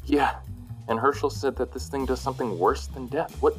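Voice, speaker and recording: An actor playing a nervous, cautious sidekick in a noir audio drama, hesitant and stammering. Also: male voice, medium pitch, steady tone, moderate pace, over music, natural voice. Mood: anxious. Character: anxious, cautious male sidekick.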